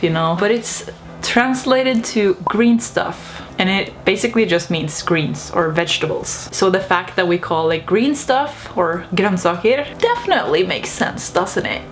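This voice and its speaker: A woman's voice: fairly low pitch, a little hiss or hum. A young woman from Norway, chatting casually and playfully to her viewers in a video monologue. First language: Norwegian. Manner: chatty, lively, laughs at her own points. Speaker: vlogger.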